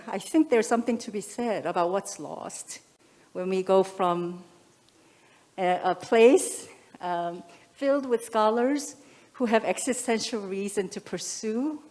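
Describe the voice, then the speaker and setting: A woman academic giving reflective, measured remarks on a panel. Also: medium pitch, a little mellow.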